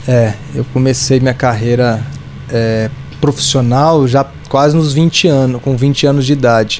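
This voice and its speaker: Over noticeable background noise, a man talks at a fairly slow pace with very even loudness and fairly even intonation. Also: medium pitch for a man. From Brazil, Franca, São Paulo state. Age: 30s. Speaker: civil engineer and building infrastructure director. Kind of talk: interview. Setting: studio. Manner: halting, many repetitions.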